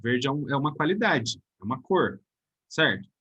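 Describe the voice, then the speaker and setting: A man's voice: mid-range voice, very animated, normal speed, sharp tone, husky, dull audio. A man with a Brazilian Portuguese accent teaching a recorded grammar lesson, explaining step by step and checking in with his students.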